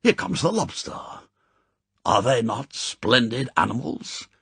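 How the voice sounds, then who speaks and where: Man performing Japanese spymaster, audiobook character, formal, stately, zealous, animated intonation, husky, very dry close sound. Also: medium pitch, a little slow, no echo, exaggerated voice. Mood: gracious. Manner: formal, stilted, courtly phrasing. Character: proud Japanese spymaster, ceremonious, zealous, sternly gracious.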